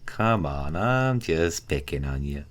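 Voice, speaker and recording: A man playing an easygoing, gently teasing giant friend in a casual, hesitant, intimate ASMR roleplay. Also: extremely low pitch, sing-song, exaggerated voice. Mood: playful, teasing. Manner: hesitant, chuckling, unhurried casual talk.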